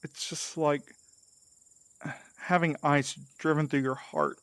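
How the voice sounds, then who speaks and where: A man's voice: fairly high pitch, steady tone, slow, fairly bright tone, clean tone, no room sound. A man playing a wary, earnest and defiant underdog in an audio drama, speaking a little hesitantly. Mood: shaken, questioning. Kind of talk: audio fiction drama acting.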